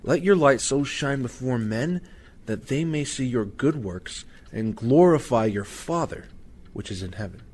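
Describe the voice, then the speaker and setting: A man's voice: mid-range voice, lively intonation, a little slow, a little mellow, slightly rough. An actor playing a patient, earnest Christian father counseling his son in an audio drama. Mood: solemn reading.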